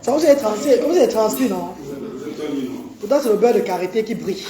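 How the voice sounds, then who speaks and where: A woman's voice: medium pitch, animated, a little fast, roomy sound, a crowd in the background. A woman, an autism advocate talking on a live stream, effusively greeting viewers and pleading for shares.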